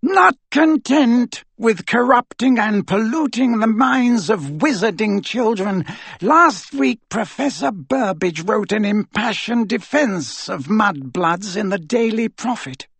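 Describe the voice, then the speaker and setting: A man voicing a cold, menacing male dark lord who speaks quietly and deliberately. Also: sits high, expressive, creaky, husky, no echo, voice pushed up, heavily acted. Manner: slow, soft, sinister and deliberate.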